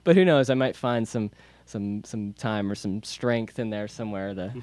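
A man's voice: lowish voice, moderate pace, darkish tone. A man from Michigan, a band member, chatting loosely on a radio show, rambling and laughing as he thinks aloud. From Grand Rapids, Michigan, USA. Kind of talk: casual radio interview chat. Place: radio studio.

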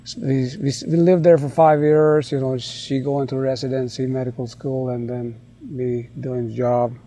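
A man in his forties from India, a winery owner telling his story in a friendly, unhurried podcast interview. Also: medium pitch, little pitch movement, dark tone.

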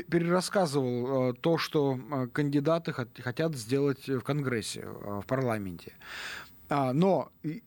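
A man's voice: medium pitch, a little mellow, no room sound. A middle-aged man, a radio correspondent, telling his story in casual studio conversation, hesitating often with fillers and restarts.

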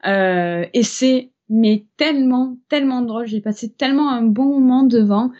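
A woman's voice: a little high, moderate pace, dark tone. A woman co-hosting a podcast, chatting playfully with lots of fillers. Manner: playful, filler-heavy recommending. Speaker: podcast co-host. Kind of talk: casual chat. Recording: slightly dull lo-fi sound.

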